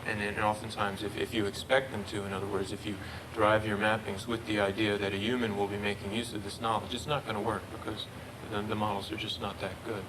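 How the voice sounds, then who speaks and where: Halting lower-voiced man presenting research. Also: flat delivery. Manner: halting, repeats words. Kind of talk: research talk Q&A. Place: lecture room. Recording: noisy room recording.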